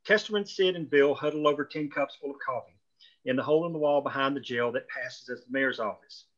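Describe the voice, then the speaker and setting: A man reads screenplay directions as a narrator. His voice is medium in pitch. The recording sounds dull and lo-fi. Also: fairly quick, fairly bright tone. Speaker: reader of stage directions. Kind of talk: scripted narration.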